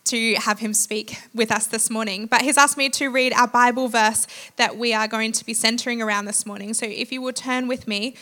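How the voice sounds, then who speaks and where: A woman with a bright, clear voice introduces the guest speaker at a church service. Her pitch sits a little high, and she pauses often between her thoughts. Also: steady tone. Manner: warm, with frequent "uh" pauses, slows for scripture. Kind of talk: introduction and scripture reading.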